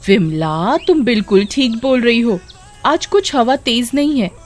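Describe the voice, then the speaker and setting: एक औरत बच्चों की कहानी में ताने मारने वाली गांव की लड़कियों की आवाज़ कर रही है, जो मज़ाक उड़ाते हुए बोलती हैं।. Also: female voice, a little high, lively intonation, a little slow, faint music behind, voice pushed up. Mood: taunting. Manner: taunting, sneering. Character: mocking teenage village girls. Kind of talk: children's storybook voice acting.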